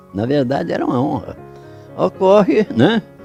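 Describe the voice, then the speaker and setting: Music plays in the background. The speaker moves at a moderate pace, with very wide pitch swings. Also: man. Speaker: former communist militant. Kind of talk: life-story interview answer.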